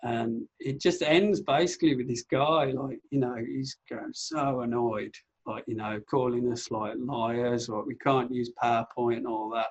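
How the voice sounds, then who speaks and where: Speaking with an English accent, a man uses medium pitch and ordinary pitch variation at a fairly slow pace, with hardly any pauses. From England. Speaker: designer. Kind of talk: casual interview chat.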